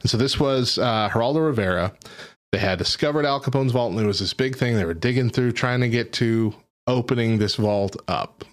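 A man's voice: mid-range voice, a little fast. A man co-hosting a podcast, chatting casually and telling rambling stories full of fillers. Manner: rambling, laid-back storytelling with frequent fillers. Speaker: podcast co-host. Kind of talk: casual chat.

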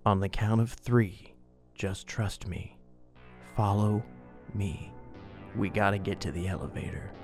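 A man playing a grim hardboiled investigator, narrating an audio drama in a deliberate, dramatic way. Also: on the low side, steady tone, darkish tone, natural voice. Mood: urgent. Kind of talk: scripted noir-style narration in audio drama. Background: music.

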